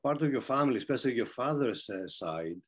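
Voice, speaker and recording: A man's voice: medium pitch, lively intonation, fast talker. A man interviewing, asking questions hesitantly with many fillers. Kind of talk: oral history interview.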